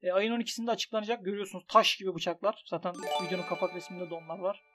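Young male gaming streamer, high voice, excitable, groans and yells at his own bets. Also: racing, music in the background. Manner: excitable, swings from grumbling to shouting at losses. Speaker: gaming YouTuber. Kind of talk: commentary on an online gambling site.

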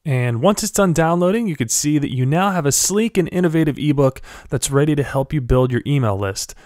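A young man with a stuffy head cold, giving friendly step-by-step instructions in a software tutorial voice-over. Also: fairly high pitch, lively intonation, brisk, no room sound, clean studio sound. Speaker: blogger teaching a software tutorial. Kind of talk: screen-recorded tutorial voice-over.

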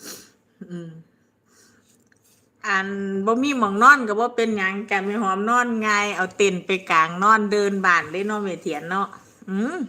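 An older woman with a bright, clear Isan accent hosts a relaxed live stream. She rambles chattily, reads out viewers' comments and laughs often between her stories. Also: mid-range voice. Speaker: livestream host.

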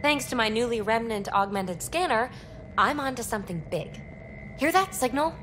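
A woman voicing an eager, impulsive young alien explorer in a video game, chatty and excitable. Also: a little high, moderate pace, soft background music. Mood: excited, eager. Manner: chatty, excitable, self-justifying. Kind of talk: video game cutscene acting.

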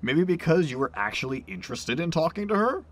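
A man's voice: a little high, very animated, a little fast. A man playing a teasing, wisecracking train crewman in an audio drama, sarcastic and exaggerated.

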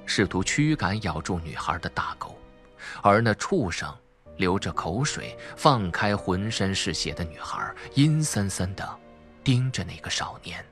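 A man's voice: lowish voice, fairly bright tone. A man reading a novel as dramatic scripted narration. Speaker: audiobook narrator. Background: background music.

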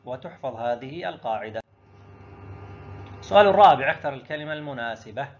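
A man's voice: a little high, lo-fi sound. A male teacher going through an exam review lesson, explaining each answer step by step and asking himself questions before answering them. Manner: addresses students directly.

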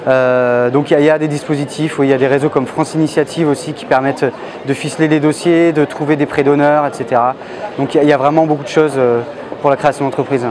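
A man in his thirties interviewed at a crowded indoor trade fair, speaking in a brisk, informative way. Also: a little high, fairly even intonation. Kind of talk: street interview. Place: busy indoor exhibition hall. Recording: busy crowd noise behind. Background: crowd chatter.

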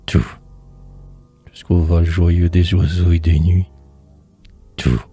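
Very deep, dark-voiced man reciting poetry. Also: level tone, vocal fry, husky, soft background music. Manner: solemn, theatrical, drawn-out phrases falling to whispers. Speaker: poetry reader.

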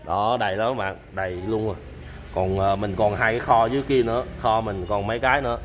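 A man's voice: on the low side, steady tone, fast, slight background noise. A man casually showing and explaining used machines to camera at night, talking with lots of fillers and direct address, filmed on a phone. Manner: chatty, repeats "các bạn", many fillers. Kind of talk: casual product demo to camera. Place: at night in a storage area full of machines. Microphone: phone camera held while filming.

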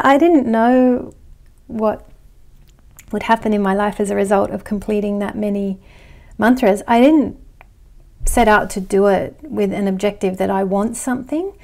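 Mellow-voiced Australian woman chatting. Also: a little high, a little slow. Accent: Australian with some American and English. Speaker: astrology channel host. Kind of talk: casual talk to camera. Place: indoor living room. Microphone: clip-on lapel mic.

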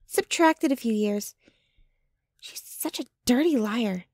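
A woman's voice: on the high side, expressive, slow pace, a little mellow, no echo, clean studio sound, exaggerated voice. A woman playing a jealous, possessive, doting young girlfriend in an intimate, dramatic ASMR roleplay. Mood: jealous, indignant. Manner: intimate, dramatic, swinging between ranting and breathy murmuring.

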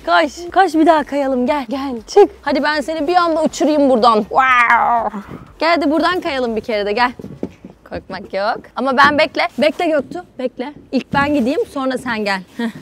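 A woman's voice: sits high, normal speed, fairly bright tone, slight background noise. A young woman vlogging outdoors at a playground, coaxing and playing with a toddler in a playful sing-song voice. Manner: playful, coaxing, sing-song baby talk with frequent laughter. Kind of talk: casual vlog, talking to a toddler.

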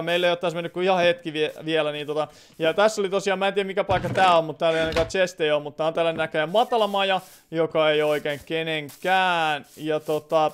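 A man's voice: high voice, clear, resonant tone. A man doing live gameplay commentary on a stream, rambling and chatty, answering viewer comments with sudden startled outbursts.

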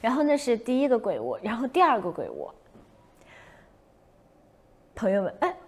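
Lively young woman telling a story. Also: fairly high pitch, moderate pace, slightly rough. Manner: animated, acts out her own past shouts. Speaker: livestream host. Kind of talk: casual livestream storytelling.

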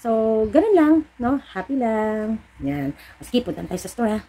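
A woman's voice: on the high side, expressive, a little slow, dark tone. A middle-aged woman, talking casually to her viewers as a store owner, telling stories and giving encouraging pep talks. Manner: chatty, storytelling with acted-out dialogue; encouraging, preachy pep talk. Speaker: vlogger and sari-sari store owner.

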